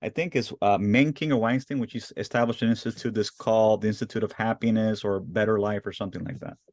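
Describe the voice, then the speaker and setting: Host: man with a low voice, eager and rambling, dry close sound. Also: steady tone, quick pace, darkish tone, no echo. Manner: enthusiastic, rambling with restarts. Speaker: host, founder of the organization. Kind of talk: casual interview.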